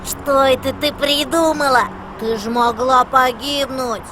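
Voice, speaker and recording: A woman's voice: high-pitched, steady tone, measured pace, noisy background. A woman voicing a caring, admonishing road patrol guardian, teaching carefully in a children's cartoon. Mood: puzzled, scolding. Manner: didactic, careful. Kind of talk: children's educational cartoon acting. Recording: music behind the voice.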